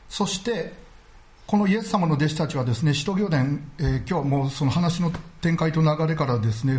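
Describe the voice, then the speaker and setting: A man preaching a sermon as pastor, earnest and measured, often padding his sentences with small filler words. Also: fairly high pitch, a little mellow.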